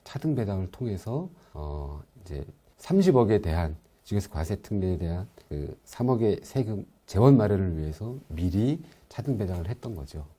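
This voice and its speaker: A man being interviewed as a consultant, answering calmly and steadily and often agreeing with short replies. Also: sits low, moderate pace, few pauses, slightly rough. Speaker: guest consultant.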